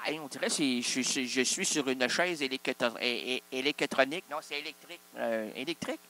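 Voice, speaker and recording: A man's voice: medium pitch, fairly quick, pushed and bright. A man, hosting an improvised solo comedy show full of absurd, self-interrupting wordplay. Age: 30s. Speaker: host.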